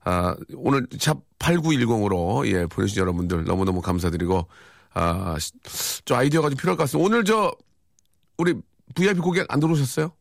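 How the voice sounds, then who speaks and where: A man's voice: medium pitch, lively intonation, quick pace, gravelly, dry recording, clean studio sound. A man hosting a radio show in casual chat, reading out listener messages with wry, chatty reactions.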